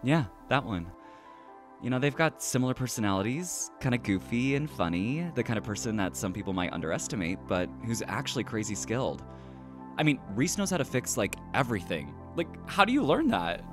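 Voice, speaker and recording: Man acting an easygoing, animated young friend. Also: medium pitch, fairly quick, over music, natural voice. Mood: teasing, fond. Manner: casual, conversational. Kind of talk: audio drama acting.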